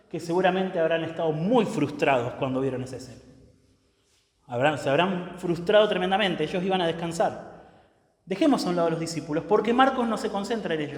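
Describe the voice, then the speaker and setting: A man preaching a sermon as pastor, emphatic, swinging between loud declarations and hushed lines, often checking in with the congregation. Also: sits high. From Argentina. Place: church sanctuary. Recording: echoey church hall with long reverb.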